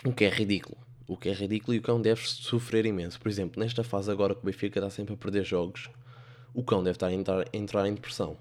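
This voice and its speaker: A young male podcast host with a European Portuguese accent delivers a sarcastic, rambling, playful monologue of comic stories. His voice is lowish and darkish, steady in tone, and he talks fast.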